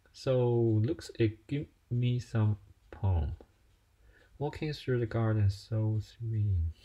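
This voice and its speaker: A man with a Chinese accent speaks at medium pitch, sounding somewhat breathy. His pace is very slow, with long, frequent pauses. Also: ordinary pitch variation. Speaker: software engineer vlogger. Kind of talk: tutorial. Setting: screen recording, solo. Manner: halting, with fillers.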